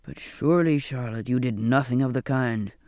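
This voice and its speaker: A man voicing a kindly, earnest Black sailor in an audiobook, with a measured, coaxing, questioning manner. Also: mid-range voice, darkish tone, smooth, no echo, studio quality, voice pushed down, close to an everyday voice. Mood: surprised, puzzled. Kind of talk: audiobook character dialogue.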